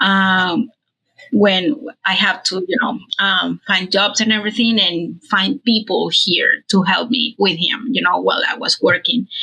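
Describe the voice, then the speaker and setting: With a Venezuelan accent, a woman speaks fairly slowly at a medium pitch with ordinary pitch variation. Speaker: mother, podcast guest. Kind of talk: casual conversation. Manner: hesitant, many fillers.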